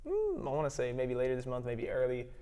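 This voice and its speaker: Young male guest, smooth voice, relaxed and rambling. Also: medium pitch, fast talker. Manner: easygoing, rambling, heavy on fillers. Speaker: filmmaker guest. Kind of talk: casual interview chat.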